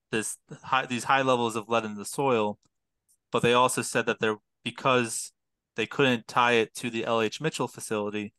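A young man on a video call explains his research through a headset, careful and detailed, often pausing on fillers. His voice is bright and crisp. The sound is dry and close. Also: medium pitch, no room sound. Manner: detailed, precise, many fillers and restarts. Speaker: public health PhD student, guest. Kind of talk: explanatory interview talk.

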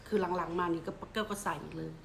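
Middle-aged thai woman vlogging advice, lowish voice, polite and steady, tacks a soft polite ending on everything, faint hum behind. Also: gravelly. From Thailand. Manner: polite, ends almost every phrase with a soft "na kha", measured and steady. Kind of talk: casual advice talk to camera.

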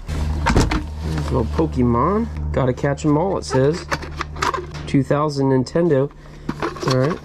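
A middle-aged man, a storage unit reseller, chatting casually through an unboxing, bursting into excited exclamations over his finds, recorded on a head-mounted camera in a storage unit. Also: a little high, unhurried, gravelly, long pauses, very noisy. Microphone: head-mounted action camera.

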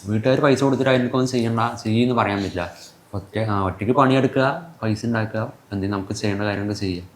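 A man's voice: fairly low pitch, fast talker. A nineteen-year-old man, a vlogger answering interview questions in rambling, self-correcting sentences with many fillers. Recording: echoey room with faint background noise.

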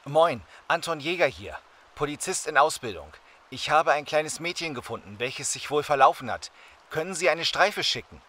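A man's voice: on the high side, lively intonation, normal speed, sharp tone. A young man playing a police trainee, speaking in a friendly, reassuring way. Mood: matter-of-fact. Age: young adult. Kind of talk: radio drama acting.

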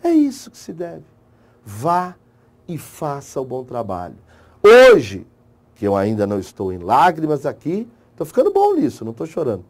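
A man with a Brazilian accent, an online course teacher giving an emotional motivational talk to exam candidates, swinging between soft and loud. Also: mid-range voice, wildly swooping pitch, normal speed. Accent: Brazilian Portuguese.

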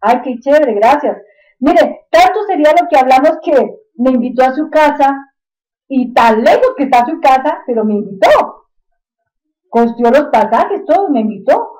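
A woman's voice: sits high, expressive, normal speed, a little mellow, rough recording. A Colombian woman with a Bogotá accent, talking informally and emphatically to her students as an online instructor, repeating phrases for stress. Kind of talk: informal motivational talk to students in a screen-recorded tutorial.

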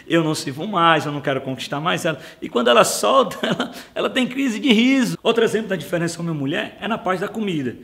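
Guy joking about marriage to the camera, raspy fry in his voice, over the top complaining. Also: sits high. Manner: animated, jokey, exaggerated complaining. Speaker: co-host of a couples channel. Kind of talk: comic couples monologue to camera.

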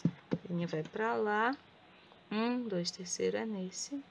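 Woman, Brazilian Portuguese accent, crochet teacher, soft-spoken, sore throat, slow delivery, counts stitches aloud. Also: mid-range voice, vocal fry, background noise. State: sore throat, cannot speak loudly. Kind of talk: step-by-step craft tutorial.

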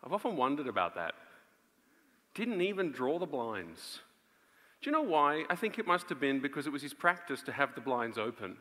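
A man in his thirties preaching an earnest, emphatic live sermon with dramatic pauses on a large auditorium stage. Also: mid-range voice, big pitch swings, pushed and bright. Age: 30s. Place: on stage in a large theatre before an audience. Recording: reverberant large auditorium sound.

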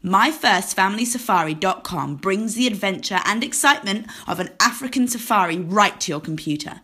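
A woman's voice: mid-range voice, lively intonation, fairly quick, bright, forceful tone, husky. A woman voice-over artist reading scripted advert narration.

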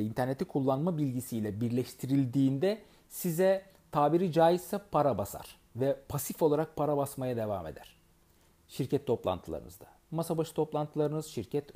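A man giving earnest, advising talk to his audience as a network marketing trainer, pausing often with fillers and restarts. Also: medium pitch, mellow. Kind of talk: advice monologue to an audience.

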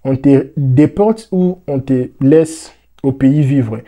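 A young Congolese man explaining the news to the camera, with lots of repeated words and fillers, on a lapel mic in a dark room. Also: medium pitch, slow pace. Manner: animated, repeats words, many "euh" fillers. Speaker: vlogger.

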